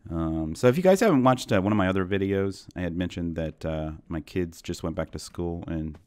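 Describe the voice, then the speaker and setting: Man, very low voice, hoarse from a cold, casual rambling game commentary, dry room, keyboard clicks behind. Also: expressive, brisk, a little mellow, no echo. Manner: rambling, self-deprecating, talks to viewers. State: sick, voice going hoarse. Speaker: gaming channel host. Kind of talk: casual Minecraft let's play commentary.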